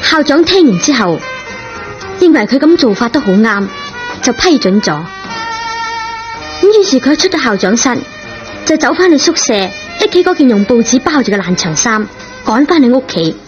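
A woman narrates a radio drama in a high, very lively voice. She reads like a storyteller over prominent music, on a slightly dull recording. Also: moderate pace, pauses often.

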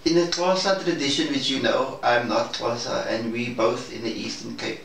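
A man speaking in a measured, hesitant and formal way in a reflective debrief conversation. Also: mid-range voice, steady tone, creaky, fairly bright tone. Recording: roomy, distant mic, faint noise.

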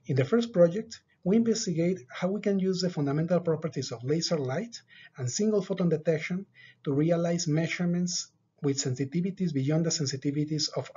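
A middle-aged man with a slightly raised, husky voice gives a measured, scripted research overview. His tone is mellow. He is recorded on a desk webcam with dull, lo-fi sound. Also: fairly high pitch. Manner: measured, deliberate delivery with occasional filler pauses. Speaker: lab director giving a research overview. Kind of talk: scripted presentation. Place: office with a whiteboard.

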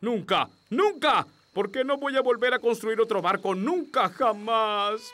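A man's voice: high voice, measured pace, bright, forceful tone. A man voicing a gloomy, indignant elf sailor who grumbles melodramatically in a children's cartoon dub. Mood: indignant, bitter. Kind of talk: animated children's series dub.

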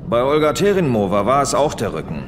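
A man's voice: medium pitch, sing-song, fast, background noise, natural voice. A middle-aged man acting as a fatherly, weary police superior in an audio drama. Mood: pondering.

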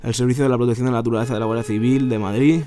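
A man's voice: medium pitch, steady tone, racing, warm tone, a little hiss or hum. A man with an accent from Spain, talking informally as a caller and commentator, colloquial and indignant. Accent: Spanish, from Spain. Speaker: caller and narrator of his own video. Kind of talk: phone call with informal commentary to viewers. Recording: music behind the voice. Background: music.

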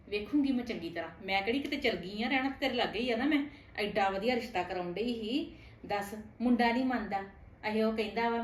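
A woman playing an indignant village matchmaker, fast and echoey. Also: on the high side, a little hiss or hum, close to an everyday voice. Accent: Indian Punjabi. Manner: indignant, complaining, fast-talking. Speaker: matchmaking neighbour. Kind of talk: village family drama acting. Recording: echoey room.

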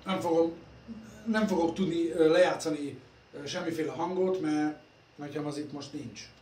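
A man's voice: a little high, a little hiss or hum. A man talking casually while working on computers in his workshop, rambling and self-deprecating, recorded on a phone. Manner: rambling, self-deprecating, trailing off softly at phrase ends. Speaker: computer repair vlogger. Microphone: phone camera. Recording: echoey workshop room, faint ambience.

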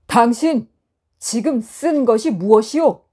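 A woman's voice: mid-range voice, slow pace, warm tone. A woman voicing a thirsty male traveler in a storybook, who grows puzzled and testy. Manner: exclaiming, bewildered.

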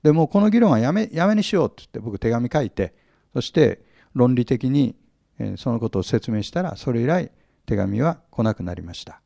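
A man's voice: medium pitch, very animated, fairly quick, vocal fry, mellow, no echo, clean studio sound. A male pastor teaching from the Bible, often asking his audience questions, stressing words with force and acting out small humorous scenes. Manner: humorous, acts out little scenes.

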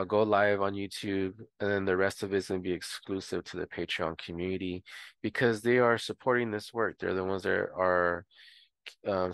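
Low-voiced guy talking through a backyard tutorial, loose and easygoing, lots of ums, dry close mic. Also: clear, resonant tone, dry recording. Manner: relaxed, rambling with many fillers. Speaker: homestead educator. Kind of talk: casual tutorial voice-over.

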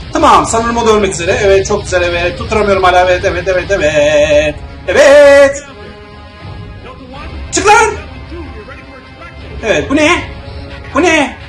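A young man plays through a shooter game and talks the whole time, muttering calm asides and then suddenly yelling and cursing at the enemies. His pitch leaps around wildly. The room is echoey, with game music playing faintly behind him. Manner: excitable, yells and swears at enemies, then mutters calmly. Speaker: gamer playing a video game. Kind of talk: let's play commentary.

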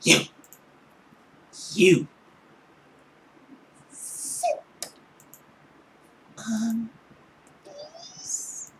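A man voicing a tipsy, emotional young woman in a visual novel, with a slurred, drawn-out delivery. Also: very high voice, wildly swooping pitch, creaky, fairly bright tone, a little hiss or hum, pitched above the performer's own voice, full character voice, rough recording. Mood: drunk, playful.

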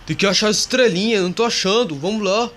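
A man with a voice that sits high talks quickly while playing a horror game, chatting casually with his viewers and a friend. He yelps excitedly at jump scares, and a little hiss or hum runs under the recording.

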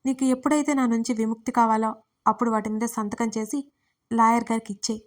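A woman's voice: fairly high pitch, flat delivery, fast talker, natural voice. A woman voicing a cold, aloof young husband in an audio story, talking curtly and dismissively. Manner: curt, detached.

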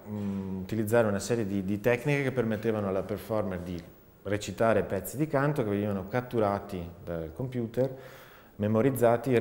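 A man in his thirties explaining his artistic work in an interview, thoughtful and halting as he searches for words. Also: on the low side, dark tone. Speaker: theatre and sound artist. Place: seated in a dark studio, indoors. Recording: echoey room with reverb.

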